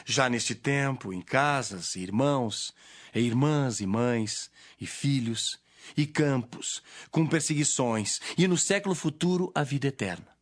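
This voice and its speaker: Man acting grave authoritative teacher, declamatory, Bible drama, mid pitch, animated melody. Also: measured pace. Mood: earnest, solemn.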